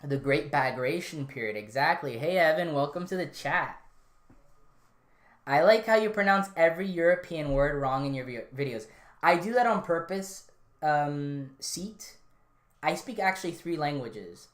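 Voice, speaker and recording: A man's voice: on the high side, normal speed. A man hosting a podcast, chatting casually and answering a live chat, rambling with frequent ums and restarts. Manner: relaxed, rambling, many fillers and restarts. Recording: roomy echo.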